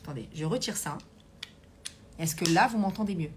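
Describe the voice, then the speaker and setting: A woman's voice: lowish voice, expressive, moderate pace, a little hiss or hum. A woman coach hosting a live stream, chatting casually, reading comments aloud and talking with many fillers. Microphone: Bluetooth hands-free earpiece.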